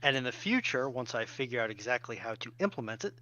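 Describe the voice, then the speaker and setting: A man explaining technical updates as a stream moderator over a voice call, in measured, formal wording. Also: mid-range voice, lively intonation. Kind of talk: explanatory announcement. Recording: dull lo-fi voice-call audio.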